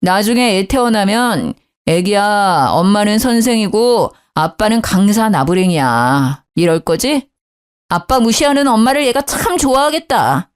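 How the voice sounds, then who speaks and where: A woman's voice: mid-range voice, big pitch swings. A woman doing a sneering sarcastic husband. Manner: mocking, sarcastic, slow drawl. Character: sarcastic young husband, belittling and defensive.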